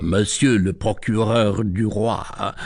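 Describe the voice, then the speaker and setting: Putting on a gruff character voice, a man speaks with a fairly low pitch. His pace is fairly slow and his intonation fairly even. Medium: read story. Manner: gruff, muttering.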